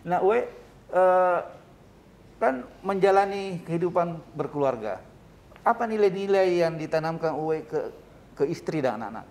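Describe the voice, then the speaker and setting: A man's voice: high-pitched, expressive, normal speed, a little mellow. A man hosting an interview show, chatty and casual, with frequent short agreeing replies.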